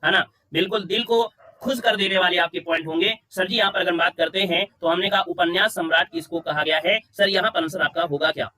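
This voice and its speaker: A man with a fairly high, bright and forceful voice runs through exam questions as a grammar teacher. He keeps calling his students sir and drives each answer home by repeating it, in a steady classroom walkthrough. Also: a little fast, hardly any pauses. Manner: addresses listeners as sir, repeats answers emphatically.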